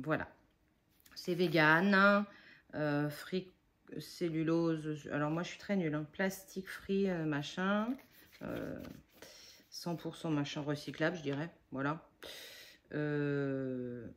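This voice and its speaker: A woman's voice: low voice, slow. A woman in her forties chatting casually in a haul vlog, rambling and self-mocking, with many fillers. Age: 40s. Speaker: budget haul vlogger.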